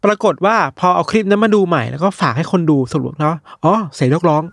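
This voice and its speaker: A young man casually retelling news stories on a podcast, animated and acting out the people he quotes. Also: sits high, fast, creaky, dry recording, studio quality. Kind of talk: casual storytelling chat.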